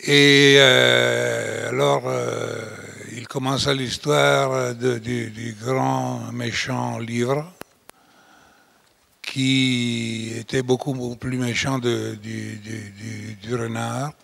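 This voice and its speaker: A man's voice: medium pitch, level tone, drawn-out words, creaky, bright, forceful tone, no echo. An older man from Italy speaking French with an Italian accent, giving a lecture with many fillers and restarts. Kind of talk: closing lecture.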